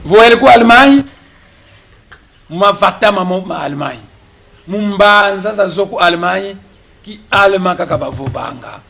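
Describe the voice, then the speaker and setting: A man whose first language is Kikongo, giving a deliberate press conference statement as a politician. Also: sits high, lively intonation, vocal fry, sharp tone. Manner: slow, deliberate delivery, switching between French and Kikongo.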